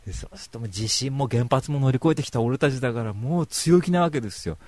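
A man's voice: medium pitch, expressive, fast, darkish tone, no echo. A man hosting an online radio show, talking in a casual, rambling monologue full of slangy rants and self-mockery. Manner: ranting, slangy, self-mocking.

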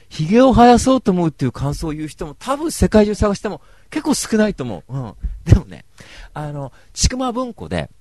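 A man's voice: high-pitched, darkish tone, no echo. Rambling, wry man talking books. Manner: rambling, wry, self-mocking. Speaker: book reviewer. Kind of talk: casual book review monologue.

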